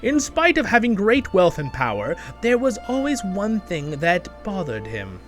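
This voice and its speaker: A solemn fantasy chronicler, put on by a man, tells legends in a raised, sweeping voice over music. The delivery is grand, measured and dramatic, like a storybook epic. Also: high voice, wildly swooping pitch, fairly bright tone, voice pushed up, full character voice. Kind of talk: expressive fantasy story reading.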